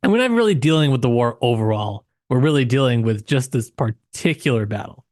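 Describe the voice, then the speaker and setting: A man's voice: mid-range voice, animated, brisk, darkish tone, no echo, studio quality. A man co-hosting a podcast, talking casually about a book and thinking aloud in an informal way. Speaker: podcast co-host.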